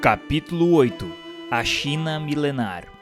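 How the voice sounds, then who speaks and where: A man's voice: fairly high pitch, animated, a little slow. A man giving a solemn, formal and declamatory scripted narration, like an audiobook. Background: background music.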